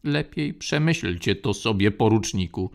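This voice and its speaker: A man's voice: lowish voice, lively intonation, unhurried, gravelly. A man voicing a cocky, wry male general in a spoken space story.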